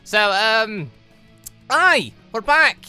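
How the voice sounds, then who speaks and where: A man's voice: high voice, big pitch swings, extremely slow, pushed and bright, clear, resonant tone, faint music behind. A man giving casual, rambling, exclamatory let's play commentary as a gaming host.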